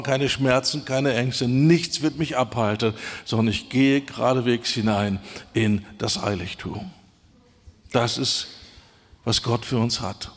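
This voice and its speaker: A man's voice: mid-range voice, in a large hall. A male pastor preaching a sermon emphatically, repeating key phrases and often interjecting exclamations of praise.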